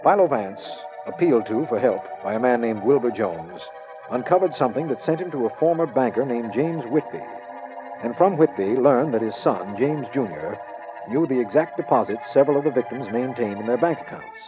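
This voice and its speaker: A man's voice: mid-range voice, animated, normal speed, natural voice. A man doing a plain-spoken district attorney with a middling voice, earnest and a bit impatient. Music plays behind him on a dull old radio broadcast. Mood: narrating. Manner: straightforward, official tone. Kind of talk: 1940s radio acting.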